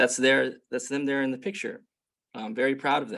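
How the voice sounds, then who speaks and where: A man with a fairly high pitch speaks in a Navajo Nation accent. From New Mexico, Navajo Nation. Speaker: graduate assistant in university housing. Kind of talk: prepared self-introduction. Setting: video call.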